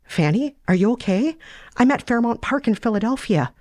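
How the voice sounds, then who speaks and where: A woman's voice: fairly high pitch, animated, normal speed, darkish tone, dry recording, studio quality, pitched above the performer's own voice, lightly acted. A woman voicing an anxious, lovestruck sixteen-year-old Amish girl in a story, earnest and pleading.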